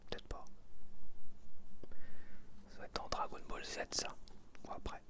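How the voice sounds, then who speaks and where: A man whispering casual ASMR commentary, murmuring informally as he thinks aloud. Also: unhurried. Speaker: ASMR video creator.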